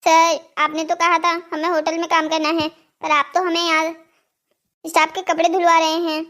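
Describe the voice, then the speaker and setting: A naive, dutiful cartoon boy as a woman plays him. The voice is extremely high and childlike, polite and earnest in delivery. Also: monotone, moderate pace, a bit bright. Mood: polite, uneasy. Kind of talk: scripted cartoon story dialogue.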